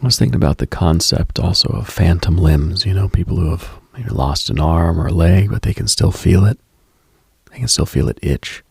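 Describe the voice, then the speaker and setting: A man hosting a late-night radio show in an intimate, contemplative monologue, hushed and unhurried, with a husky, gravelly, breathy voice. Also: low-pitched, lively intonation, dry recording, clean studio sound. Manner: hushed, unhurried, contemplative, addresses listener directly.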